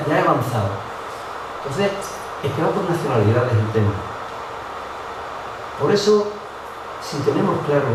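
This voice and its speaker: A man with an Andalusian accent gives an informal talk to an audience in a room, asking rhetorical questions and acting out little dialogues. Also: medium pitch. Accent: Andalusian Spanish. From Andalusia, Spain. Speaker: public speaker. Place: room in a public building. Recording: distant mic, echoey room, loud background noise.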